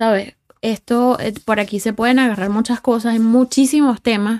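Speaking in a Venezuelan accent, a woman uses a high-pitched voice. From Venezuela, Puerto Ordaz. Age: 30s. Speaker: violinist. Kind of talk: casual chat.

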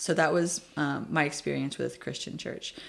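A woman speaks at a moderate pace. She has an American accent. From Austin, Texas. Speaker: podcast guest sharing faith story. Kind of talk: testimony. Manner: hesitant, many fillers.

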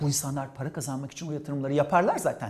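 A man talking at a very fast pace in an animated tone. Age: 50s. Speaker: economics commentator. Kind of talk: political commentary monologue.

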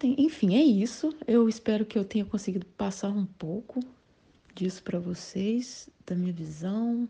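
A woman's somewhat breathy, dark, mellow voice at a medium pitch, fairly slow, with ordinary pitch variation. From Brazil. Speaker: nursing technician living abroad. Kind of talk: recorded personal testimony.

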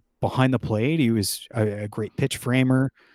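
A man with a Canadian accent and an ordinary speaking voice talks at a moderate pace and medium pitch in a very clean recording with a silent background. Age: 30s. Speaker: sports writer. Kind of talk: casual interview.

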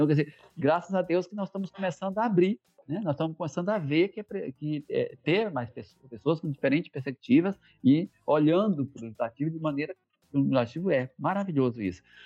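A man speaks at a fairly quick pace with lively intonation and a fairly high pitch. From Brazil, Acre (Amazon interior). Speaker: education professor, researcher. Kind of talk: casual panel discussion. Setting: remote recording over internet. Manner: halting, frequent repetitions.

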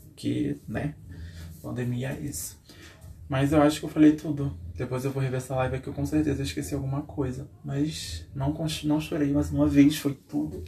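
With a dark, mellow tone and a somewhat breathy quality, a man talks at a moderate pace and medium pitch, his intonation lively. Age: 20s. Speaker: podcast host. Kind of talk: autobiographical casual monologue. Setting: recorded Instagram live video. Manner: halting.

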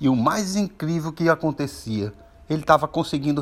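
With a warm, animated tone, a man talks at a fairly high pitch and a moderate pace with ordinary pitch variation. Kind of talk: bedtime story telling to children. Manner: warm, animated storyteller who plays out characters' voices and asides.

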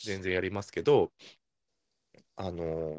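Recorded very cleanly over a silent background, a man with a very deep, low pitch sounds dry and close, with no echo. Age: 30s. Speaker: podcast co-host, part-timer. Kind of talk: casual chat.

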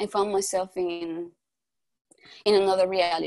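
A woman speaks with a Spanish accent at a medium pitch. Her intonation is monotone and flat. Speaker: guest. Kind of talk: casual chat. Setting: video call. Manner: halting.

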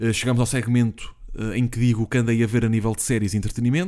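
A man speaks in a European Portuguese accent at a medium pitch. His tone is dark and mellow. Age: 20s. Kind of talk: casual monologue. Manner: animated.

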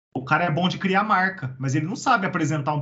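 A fairly quick man's voice, fairly high in pitch, with audible room echo. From interior of São Paulo state, Brazil (Pirassununga). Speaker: illustrator. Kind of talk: casual interview.

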